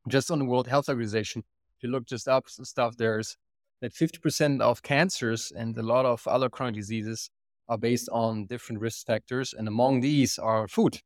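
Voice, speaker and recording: A man's voice: mid-range voice, fairly even intonation, normal speed, no room sound, studio quality. A man from Germany with a German accent, a company co-founder telling his story in a casual interview, earnest and full of restarts. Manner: earnest, many restarts and repeated words. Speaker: guest, company co-founder and CEO.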